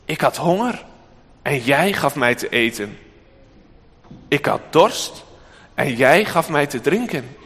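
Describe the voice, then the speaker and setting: A man voicing a calm, solemn, unseen divine voice in a storybook reading, speaking slowly. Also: on the high side, slightly rough, long reverb tail, exaggerated voice.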